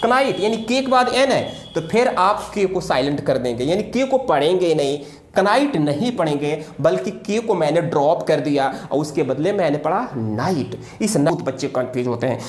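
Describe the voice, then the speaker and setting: A man teaching an English grammar lesson. He drills example words emphatically, jumping high and dropping low, and slowly repeats key words. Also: expressive, reverberant. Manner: emphatic, drills examples with sharp rises and drops. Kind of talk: classroom-style video lesson.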